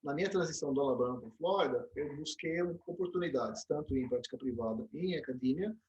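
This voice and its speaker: A middle-aged Brazilian man being interviewed, telling animated stories with frequent restarts and tag questions. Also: mid-range voice, quick pace, muffled recording. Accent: Brazilian Portuguese. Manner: storytelling, animated, many restarts and "né?" tags. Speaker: interview guest, dentist and program director. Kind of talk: casual interview conversation.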